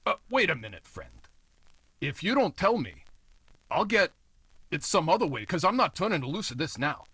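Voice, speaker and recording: A man's voice: on the high side, big pitch swings, normal speed, sharp tone, husky, dry recording, full character voice. An actor playing a nosy, slimy apartment house manager who wheedles in tough-guy slang, in old-time radio noir style. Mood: scheming.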